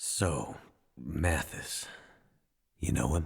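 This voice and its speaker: In a put-on character voice, a man speaks raspy and very deep, with a very low pitch. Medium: video game. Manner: dry, terse.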